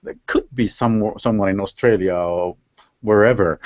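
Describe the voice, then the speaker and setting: A man's voice: fairly low pitch, normal speed, darkish tone, no room sound. A man from Finland, a native Finnish speaker with a Finnish accent, hosting a casual interview and often searching for words. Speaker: interview host. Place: live video call. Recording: dull lo-fi online call audio.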